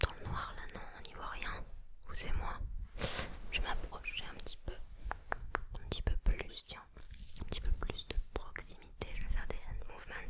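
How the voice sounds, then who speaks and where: A woman whispers at a fairly slow pace, leaving long, frequent pauses. Her loudness swings widely, and there is noticeable background noise. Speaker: singer and ASMR creator. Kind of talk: ASMR chit-chat. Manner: whispered, close to the mic.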